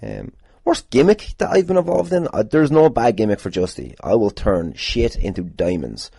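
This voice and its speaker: A man's voice: fairly low pitch, big pitch swings, moderate pace, vocal fry, mellow, breathy edge, dry recording, clean studio sound. A man hosting a casual solo podcast, rambling and sweary as he answers listener questions in a jokey way. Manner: rambling, sweary, jokingly boastful. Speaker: podcast host and wrestler.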